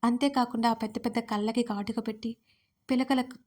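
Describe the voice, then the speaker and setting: A woman reading a family story aloud as the narrator, in a gentle storytelling manner. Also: on the high side, steady tone, a little fast.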